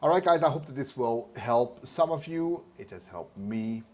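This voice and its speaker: A man's voice: medium pitch, expressive, normal speed, a little mellow. A man talking informally to viewers in an instructional vlog, somewhat hesitant and repeating phrases for emphasis. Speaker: vlogger giving motorcycle gear tips.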